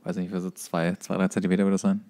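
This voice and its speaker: Male co-host for casual talk, slightly low voice, brief and offhand delivery. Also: completely flat delivery, fast, dark tone. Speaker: podcast co-host. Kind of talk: casual chat.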